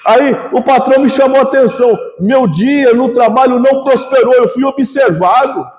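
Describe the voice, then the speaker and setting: Casting: a pastor playing a self-pitying complainer, high voice, long echoey church reverb. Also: male voice, animated, unhurried, a little mellow. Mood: whining. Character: whining grown man complaining to God.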